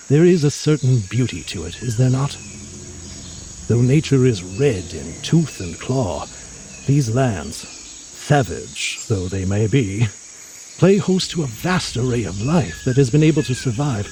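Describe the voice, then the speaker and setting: A man's voice: mid-range voice, darkish tone, a little hiss or hum. A man playing an erudite, genial mutant scientist in an audio drama, speaking in a florid, pompous, theatrical manner with bookish words. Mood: admiring, musing. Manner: florid, pompous, bookish vocabulary with emphatic delivery. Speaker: scientist guide.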